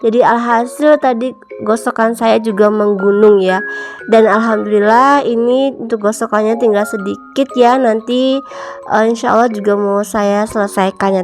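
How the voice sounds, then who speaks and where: With a touch of cold-induced nasality, a woman in her thirties chats warmly over her home cleaning footage, speaking to the moms and friends watching. The mother's voice runs on the high side, and faint music sits beneath her casual narration.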